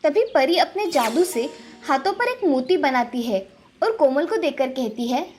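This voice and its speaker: Give me a woman narrating an animated storybook in an even, clear voice. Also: high voice, unhurried, faint music behind.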